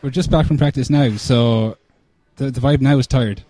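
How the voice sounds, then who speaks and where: A man's voice: medium pitch, fairly even intonation, normal speed, dark tone, no echo. A man guesting on a podcast, laid-back and tired, with dry humour. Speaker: guest musician. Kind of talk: casual chat.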